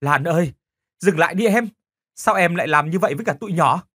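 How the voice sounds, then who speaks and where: Guilt-stricken teacher, pleading and stammering, voiced by a man; husky, animated pitch. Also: quick pace, no room sound, studio quality. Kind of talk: horror audiobook reading.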